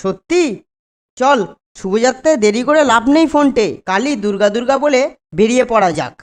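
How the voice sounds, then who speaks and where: Woman voicing a high-pitched cautious cartoon boy. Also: lively intonation, brisk, darkish tone, natural voice. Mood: cheerful. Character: cautious, cheerful young cartoon boy, a sidekick. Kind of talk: children's cartoon voice acting.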